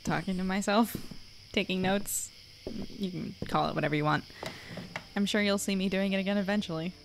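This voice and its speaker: A woman's voice: mid-range voice, a little fast, creaky, noisy background, close to an everyday voice. A woman playing a wary, frank investigator, narrating and talking in an audio drama. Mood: guarded.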